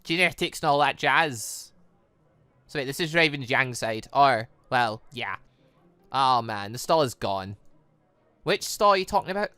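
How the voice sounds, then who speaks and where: A man reading a visual novel aloud and commenting off the cuff, often stumbling and correcting himself as he rambles excitably. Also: mid-range voice, a little slow, long pauses, clear, resonant tone, no echo. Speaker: gaming channel host.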